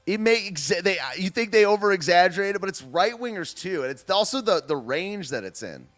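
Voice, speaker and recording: Man with a slight lisp, lively. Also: high-pitched, a little fast, soft background music. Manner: rambling and scoffing, full of "dude" and "man". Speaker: streamer host. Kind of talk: casual reaction commentary.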